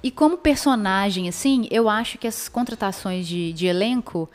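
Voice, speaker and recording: A woman co-hosting a casual film review chat, speaking in a relaxed way with frequent short agreements. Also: mid-range voice, moderate pace.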